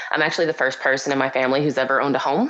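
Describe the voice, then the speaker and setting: A woman with an American accent has a bubbly tone and a very deep, low pitch. Noticeable background noise runs behind her. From US Midwest, Chicago. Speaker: activist and sex worker. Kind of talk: casual interview.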